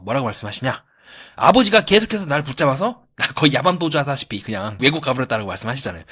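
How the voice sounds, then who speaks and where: Brief: male commentator, quick delivery, lively swinging pitch, posing and answering his own questions. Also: slightly rough. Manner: asks rhetorical questions and answers them; lively, acts out quoted voices. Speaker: YouTube psychoanalysis commentator. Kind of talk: analytical commentary on a reality show.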